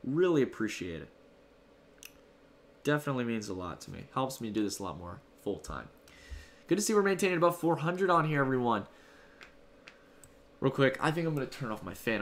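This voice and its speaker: A man hosting a livestream from home, casually thanking donors and answering chat in a loose, rambling way. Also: mid-range voice. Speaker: livestream host. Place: home room.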